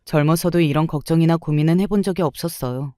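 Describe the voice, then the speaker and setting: A woman's voice: low-pitched, quick pace, dark tone, no room sound, studio quality. A woman in her sixties narrating her own story in the first person, in a confiding, reflective tone. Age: 60s.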